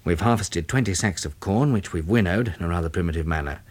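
An actor playing a practical, weary English survivor turned farmer, earnest and matter-of-fact, in a 1960s British radio drama. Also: male voice, sits low, fast. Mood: sober diary narration.

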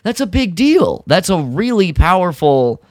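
A man's voice: high-pitched, big pitch swings, unhurried, dry recording, clean studio sound. A man co-hosting a podcast, sharing opinions in an informal, rambling way. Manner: rambling, informal, frequent filler "like". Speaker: podcast co-host. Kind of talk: casual chat giving opinions.

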